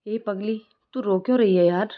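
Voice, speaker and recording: A woman's voice: medium pitch, moderate pace, close to an everyday voice. A woman reading the part of a playful young man in love who teases and sings to his girlfriend, in a storybook narration. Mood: teasing. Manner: teasing, sings filmy lines. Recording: dull lo-fi recording.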